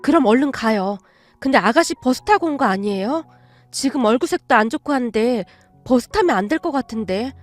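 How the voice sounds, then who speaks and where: A woman voicing a kind young sister-in-law who asks with gentle concern. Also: on the high side, animated, brisk, faint music behind, lightly acted.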